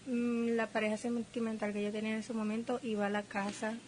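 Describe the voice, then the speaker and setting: A woman in her twenties with a Venezuelan Spanish accent tells her own story slowly and haltingly, mixing in Portuguese words. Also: on the high side, level tone, a little mellow, a little hiss or hum. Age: 20s. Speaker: interviewee telling her story. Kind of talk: personal testimony.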